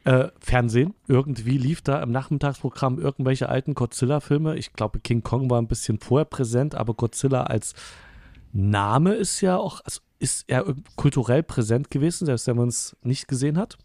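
A man's voice: medium pitch, moderate pace, warm tone, no echo, studio quality. A man in his forties co-hosting a casual film podcast, rambling and correcting himself as he talks. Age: 40s. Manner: rambling, self-correcting, amused. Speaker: podcast co-host.

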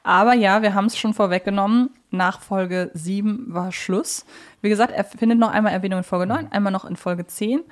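A woman's voice: medium pitch, a little fast. Woman co-hosting a podcast. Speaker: podcast co-host. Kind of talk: casual podcast discussion.

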